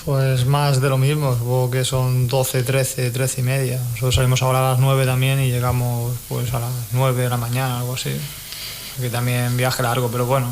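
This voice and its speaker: A young man answers a radio interviewer in a flat, even voice, relaxed and unhurried, with small sighs between points. A faint hiss runs behind him. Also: medium pitch. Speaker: futsal player.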